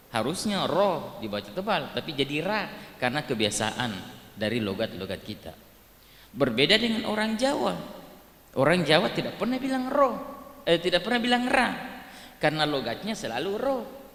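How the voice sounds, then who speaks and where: Noticeable background noise and audible room echo, very wide pitch swings, long, frequent pauses and a fairly quick pace. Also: man, high pitch for a man. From Sulawesi, Makassar. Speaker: mosque imam and Islamic preacher. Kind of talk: religious lecture. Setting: mosque with congregation. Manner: conversational, many filler words (iya, ya).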